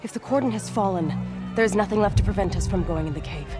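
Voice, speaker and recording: A woman's voice: medium pitch, quick pace, lightly acted. An actress playing a solemn, grieving yet defiant tribal woman in a video game, speaking formally and earnestly. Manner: formal, earnest, weighty phrasing. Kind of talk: dramatic video game acting. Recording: music behind the voice.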